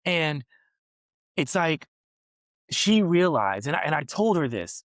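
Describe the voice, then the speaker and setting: A man's voice: a little high, very animated, slow pace, fairly bright tone, no room sound, clean studio sound. A man in his forties hosting a podcast, telling a long personal story in a rambling way and often tagging his sentences with "right?". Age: 40s. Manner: rambling storyteller, frequent "right?" tag questions. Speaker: podcast host. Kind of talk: casual interview conversation. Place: New York City, on a massage table.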